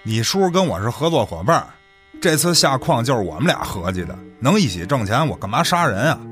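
An actor playing a brash, foul-mouthed, shady restaurant boss in a radio drama, scornful and streetwise. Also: male voice, medium pitch, big pitch swings, brisk, fairly bright tone, faint music behind. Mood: defensive, dismissive.

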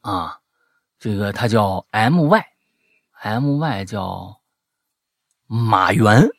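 A man hosting a chat show, reading listener letters aloud and teasing them with animated, mock-indignant commentary. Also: on the low side, drawn-out words, vocal fry, no room sound, clean studio sound. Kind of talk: comic commentary on listener stories.

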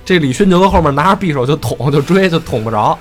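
A man with a Beijing accent tells history in a loose, slangy way, full of curses and acted-out lines. His pitch rises and falls with lively swings. Soft music plays faintly underneath. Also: fast talker. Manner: swearing, slangy, acts out dialogue. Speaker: podcast host. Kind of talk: casual history storytelling.

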